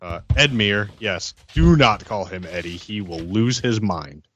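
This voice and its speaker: A man's voice: fairly low pitch, lively intonation, measured pace, fairly bright tone, muffled recording. A man playing a tabletop role-playing game, talking casually and in character.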